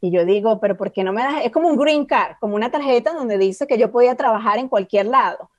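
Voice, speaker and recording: A woman, a podcast guest telling animated stories and slipping into English phrases. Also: fairly high pitch, fast, dry recording, highs cut off. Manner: animated, mixes English phrases, acts out voices in anecdotes. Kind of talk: casual storytelling chat.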